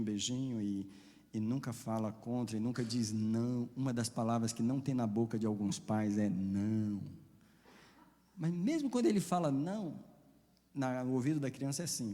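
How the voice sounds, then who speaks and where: Impassioned pastor preaching in a hall. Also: male voice, mid-range voice, brisk. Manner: impassioned, dramatic swings between loud and soft. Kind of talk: sermon.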